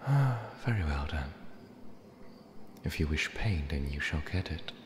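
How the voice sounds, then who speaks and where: A man's voice: extremely low pitch, very animated, measured pace, heavily acted. A man playing a possessive, menacing cat demon in an ASMR roleplay, taunting with mock affection. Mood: predatory, amused. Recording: echoey hall reverb, clear background noise. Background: ambient sound effects.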